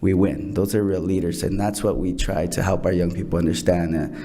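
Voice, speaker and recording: Earnest middle-aged guy thanking a school board, real low voice, from el salvador. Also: steady tone, a little fast, mellow. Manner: earnest, thankful, repeats phrases for emphasis. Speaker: program founder presenting to a school board. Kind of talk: prepared remarks at a public meeting.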